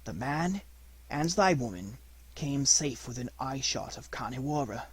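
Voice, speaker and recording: A man voicing a proud, menacing black panther in a storybook, speaking in a measured, quietly imperious way. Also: medium pitch, expressive, breathy edge. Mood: calm, coaxing.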